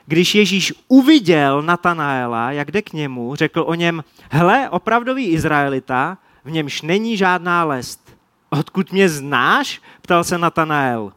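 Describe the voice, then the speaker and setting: High-voiced Czech preacher, animated. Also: male voice, no echo. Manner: lively storytelling, acts out quoted dialogue. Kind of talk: sermon.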